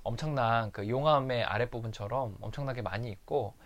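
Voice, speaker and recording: A man's voice: mid-range voice, fairly quick. A man candidly recounting a fight with his wife in a personal recovery diary monologue. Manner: candid, confessional storytelling.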